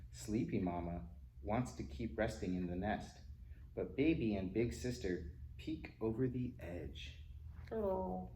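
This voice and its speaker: A man leads a children's storytime, reading with lively, swooping intonation at a middle pitch. He drops in playful, chatty asides to his young listeners. The recording is roomy and echoey, with a little background noise. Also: unhurried. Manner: acts out animal sounds and exclamations. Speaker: library storytime reader. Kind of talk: animated read-aloud for young children.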